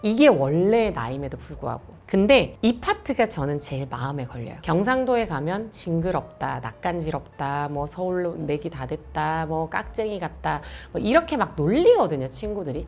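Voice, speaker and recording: Gyeongsang-accented woman host, lively pitch, casual advice talk, acts out dialogue. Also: normal speed, hardly any pauses, a little hiss or hum. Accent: Gyeongsang Korean. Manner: animated, acts out quoted dialogue. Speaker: host giving dating advice.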